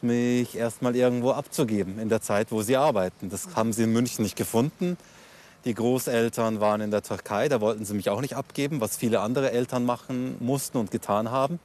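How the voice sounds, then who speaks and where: Relaxed middle-aged man telling his story. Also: mid-range voice. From Germany, Munich. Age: 40s. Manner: relaxed, reflective storytelling with fillers. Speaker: interview guest. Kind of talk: casual conversational interview. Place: outdoors in a city street.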